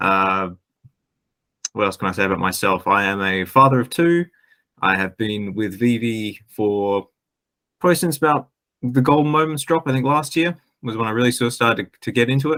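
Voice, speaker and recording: A man with an Australian accent, medium in pitch, bright and sharp in tone, lively in intonation, at a fairly quick pace broken by long, frequent pauses. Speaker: NFT collector. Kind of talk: casual chat. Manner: halting.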